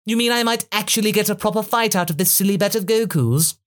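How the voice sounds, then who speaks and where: A man voicing a smug, cruel alien male tyrant, speaking in a pompous, drawn-out, high voice. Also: a bit bright. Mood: gloating.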